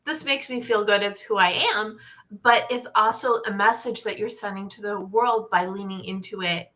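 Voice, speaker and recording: A woman's voice: mid-range voice, fairly even intonation, moderate pace, pushed and bright. A woman hosting a panel chat, affirming and lightly teasing her guest. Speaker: host.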